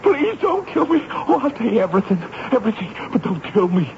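A man's voice: very high voice, very animated, fairly quick, gravelly, heavily acted. An actor playing a terrified youth pleading frantically for his life in a radio drama. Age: young adult. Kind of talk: 1970s radio drama acting. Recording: muffled radio recording, very noisy.

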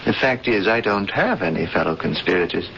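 A man's voice: fairly low pitch, expressive, a little fast, gravelly. A man acting in a 1970s radio drama as an earnest, fatalistic prisoner and would-be rebel, speaking in solemn, formal phrases. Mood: resigned, earnest. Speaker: actor playing a cellmate. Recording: dull, noisy vintage radio broadcast.

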